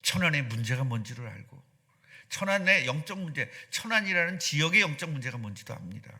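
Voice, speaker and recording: A middle-aged man preaching a sermon as pastor, animated and asking the congregation questions. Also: fairly high pitch, brisk. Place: church sanctuary.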